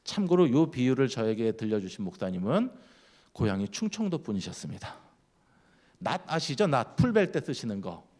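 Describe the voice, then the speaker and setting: A man giving a sermon at a church, keeping it lively by putting questions to the congregation. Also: mid-range voice, normal speed. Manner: lively, keeps quizzing the congregation. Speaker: guest speaker at a church.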